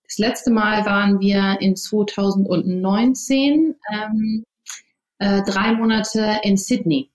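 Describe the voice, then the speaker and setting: A woman's voice: medium pitch, fairly even intonation, slow. Thoughtful woman, English native, roomy echo. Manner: thoughtful, many fillers and restarts. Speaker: interview guest, company founder. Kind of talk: casual interview talk.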